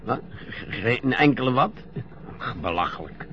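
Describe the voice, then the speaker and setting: An actor playing a frail, grumbling old former sailor who talks hesitantly and teases. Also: male voice, mid-range voice, expressive, unhurried, background noise, natural voice. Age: older. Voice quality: gravelly, hesitant, teasing. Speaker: elderly former sailor being bathed. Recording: dull lo-fi radio play recording.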